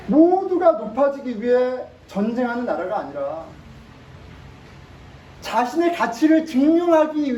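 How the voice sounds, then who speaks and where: A man's voice: very high-pitched, dark tone, slight background noise. A man preaching a sermon as pastor, speaking with emphasis and often putting rhetorical questions to the congregation. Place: church sanctuary. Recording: echoey room, mic at a distance.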